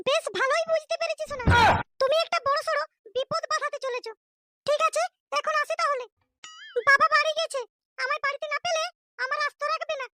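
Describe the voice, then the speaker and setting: A woman voicing a squeaky young girlfriend in a comic cartoon, sweet but anxious and given to scolding. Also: steady tone, fairly quick, sharp tone, faint music behind. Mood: alarmed, scolding.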